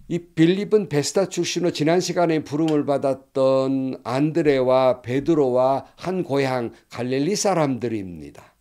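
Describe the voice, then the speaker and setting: A middle-aged male pastor delivers a sermon in an earnest, storytelling way. He quotes people's words aloud as he goes, with a voice of ordinary pitch for a man. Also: mellow. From Korea.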